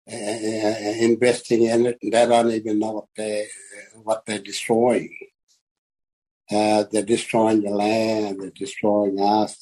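An older man speaks with an Aboriginal Australian accent in a dark, husky voice. He takes his time, very slowly, halting between phrases. His delivery is plain-spoken, unscripted personal testimony. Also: on the low side, poor audio. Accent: Australian Aboriginal English. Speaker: community elder and land activist.

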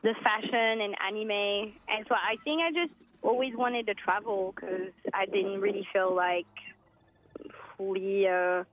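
A woman's voice: medium pitch, fairly even intonation, unhurried. Woman, musician guest on a phone call, rambling and casual, muffled lo-fi line. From France. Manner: rambling, many "like" fillers. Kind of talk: casual interview chat.

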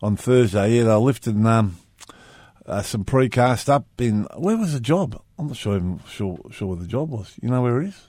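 A man's voice: mid-range voice, expressive, moderate pace, dark tone, no room sound, studio quality. A man co-hosting a casual podcast, rambling with crude asides. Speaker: podcast co-host. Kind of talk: casual chat.

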